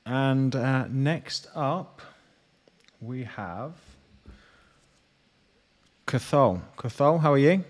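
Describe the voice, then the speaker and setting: Man, medium pitch, explanatory coach, conversational, repeats phrases for emphasis. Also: expressive, drawn-out words, long pauses. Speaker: host and fitness business coach. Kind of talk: conversational advice with analogies.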